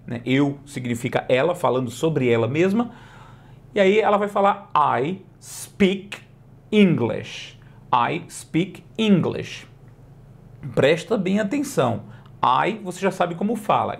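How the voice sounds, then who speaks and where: A male English teacher whose first language is Portuguese, explaining grammar, stretching out example words slowly and checking in with the listener often. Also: on the high side, vocal fry. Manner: slow, drawn-out model pronunciations between quick explanations; asks the listener questions and checks in with "né?" and "ok?". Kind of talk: online language lesson.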